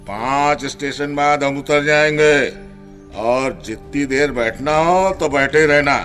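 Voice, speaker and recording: An actor playing a cocky young lout in a Hindi radio play, drawling and mocking. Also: male voice, on the high side, slow, fairly bright tone, soft background music. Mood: mocking, jeering. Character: jeering, cocky young male lout on a train.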